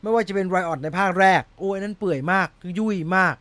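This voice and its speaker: Chatty Thai man with a high voice. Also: a little fast, fairly bright tone, no echo. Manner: rambling, laughs at himself, fumbles over a name. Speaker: movie news host. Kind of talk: casual chat about film news.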